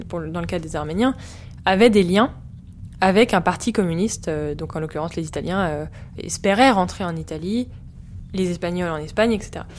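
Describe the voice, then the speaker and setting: A woman historian explaining her research in a measured way, with frequent hesitations. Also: lowish voice, a little mellow, a little hiss or hum. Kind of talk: explanatory interview.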